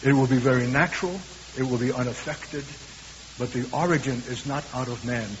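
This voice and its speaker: A man with a Brooklyn accent preaching a sermon, earnest and emphatic, slowing down for weighty lines. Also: medium pitch. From USA. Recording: hissy, dull recording in a reverberant hall.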